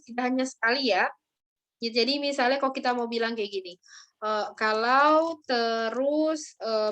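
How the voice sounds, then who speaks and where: A woman teaching a language class, chatty, with many drawn-out fillers, calling on her students by name. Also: on the high side, fairly bright tone. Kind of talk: online class lecture.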